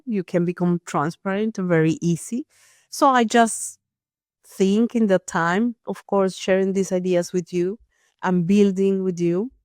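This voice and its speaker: A woman's voice: lowish voice, a little mellow, dry recording, clean studio sound. Earnest woman host, nonnative phrasing. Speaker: podcast host, here the guest. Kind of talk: reflective personal storytelling.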